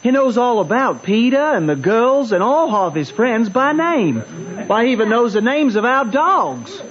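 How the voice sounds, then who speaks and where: Gullible small town fella, high voice, old muffled radio play. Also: male voice, lively intonation, unhurried. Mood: eager, convinced. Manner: eager, reassuring. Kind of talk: old-time radio drama acting.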